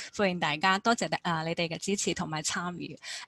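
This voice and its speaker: A woman's fairly even intonation, with a Chinese accent. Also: dry, close sound with no echo. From China. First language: Mandarin Chinese. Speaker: university academic, associate head of department. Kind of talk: online seminar welcome.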